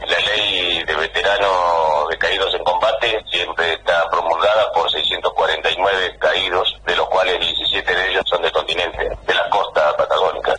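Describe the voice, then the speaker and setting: A man talks at a moderate pace with hardly any pauses and very even loudness. Noticeable background noise sits behind him. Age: 60s. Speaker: war veteran, association president. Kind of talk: radio interview.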